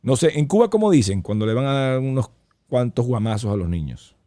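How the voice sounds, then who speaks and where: A man with a Venezuelan accent hosting a casual chat, animated and slangy. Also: medium pitch, brisk, no room sound. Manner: animated, laughs easily, slangy.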